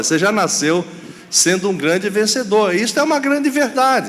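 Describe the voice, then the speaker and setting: A man is speaking. Room echo is audible. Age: 60s. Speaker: preacher. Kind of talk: sermon. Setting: church.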